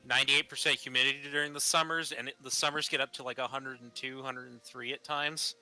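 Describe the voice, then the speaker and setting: A man from Texas in casual group chat, telling things in a halting, conversational way. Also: mid-range voice, fairly even intonation, sharp tone, smooth, poor audio. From Texas, United States.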